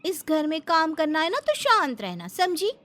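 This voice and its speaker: Woman doing a loud rustic housemaid, teasing and brash, high bright voice, cartoon. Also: sing-song, moderate pace, exaggerated voice. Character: brash, teasing young female housemaid friend. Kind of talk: Hindi cartoon voice acting.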